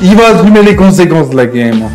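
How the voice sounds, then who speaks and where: Man playing a high-pitched ranting, vengeful outlaw. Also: very animated, quick pace, darkish tone, soft background music. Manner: verbal tic-laden, crude, ranting, swearing. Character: aggrieved, threatening male hostage-taker seeking vengeance for his cousin. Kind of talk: improvised roleplay in an online game.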